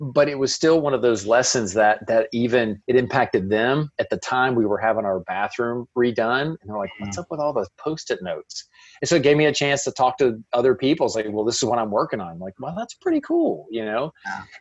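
A plain, everyday voice at a fairly quick pace, with ordinary pitch variation and hardly any pauses. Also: man, medium pitch for a man. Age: 40s. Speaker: businessman in pharmaceutical sales. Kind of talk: casual chat.

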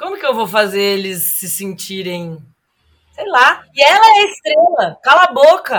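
This woman's high-pitched voice makes very wide pitch swings and big swings in loudness. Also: fairly slow pace. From Ribeirão Preto, São Paulo state, Brazil. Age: 30s. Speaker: queernejo musician. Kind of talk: casual interview chat.

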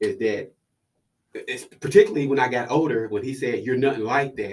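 A man is speaking. His pace is moderate. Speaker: guest. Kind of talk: casual chat.

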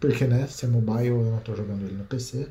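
A man's dark, mellow tone has a somewhat breathy edge. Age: 30s. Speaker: communications manager and former journalist. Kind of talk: interview. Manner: animated.

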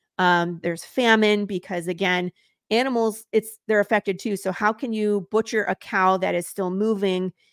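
Recorded very cleanly against a silent background with a dry, close sound and no echo, a woman with an American accent and an ordinary speaking voice talks fairly slowly at a medium pitch with fairly even intonation. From Michigan, Detroit suburbs. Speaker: comic book writer. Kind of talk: casual interview.

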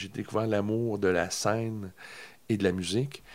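A man with a fairly low pitch and ordinary pitch variation talks in an ordinary speaking voice. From northern Ontario, Canada. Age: 40s. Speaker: comedian and singer-songwriter. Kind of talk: casual chat. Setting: at the host's home, over a beer.

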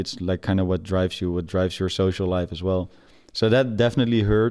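Speaking with a Dutch accent, a man uses a fairly low pitch and ordinary pitch variation. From Netherlands, Utrecht. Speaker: music producer. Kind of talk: casual chat.

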